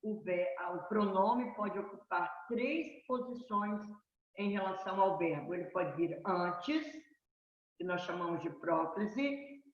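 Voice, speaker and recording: A woman's voice: mid-range voice, animated, takes it slowly. A woman teaching a remote Portuguese grammar lesson, explaining with examples, checking in with her students and correcting herself mid-phrase. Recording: roomy, dull lo-fi online class audio.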